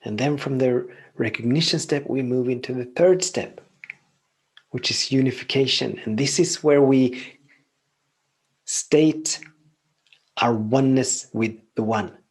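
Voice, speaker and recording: Slow, husky-voiced man teaching calmly. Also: mid-range voice, rough recording. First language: Swedish. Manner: calm, reflective, repeats phrases in lists. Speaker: podcast host. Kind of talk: spiritual teaching monologue.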